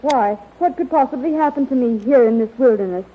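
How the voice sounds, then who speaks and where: An actress playing a plucky, trusting young heroine in 1930s radio serial style, on a muffled old recording. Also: female voice, high voice, fairly quick, a little hiss or hum, lightly acted. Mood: bright, willing.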